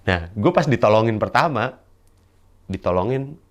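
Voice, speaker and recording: A young man, performing a stand-up storytelling monologue. He acts out the other people in his story with sudden high-pitched shouts. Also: lively intonation, normal speed, muffled recording, a crowd in the background. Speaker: stand-up comedian.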